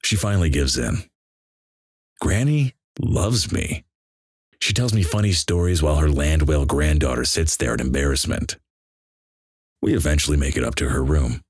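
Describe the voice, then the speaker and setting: A man reads internet stories in a deadpan, flat way. His voice is extremely deep and husky. The sound is close and dry, with no room around it. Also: brisk, no room sound. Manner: deadpan, flat delivery of crude jokes.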